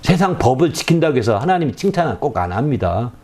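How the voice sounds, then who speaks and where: A middle-aged male pastor giving a revival sermon in a conversational style, often checking in with the congregation and rising to loud cries at emotional peaks. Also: sing-song, fast talker. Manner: conversational preaching with frequent "예?" check-ins to the congregation; rises to loud high-pitched cries when acting out repentance.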